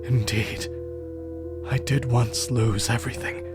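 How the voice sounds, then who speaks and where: A man playing an anguished, weary dead man in an audio drama, speaking gravely and breathily in an archaic, dramatic style. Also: mid-range voice, level tone, slow, natural voice. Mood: despairing. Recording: loud music under the voice.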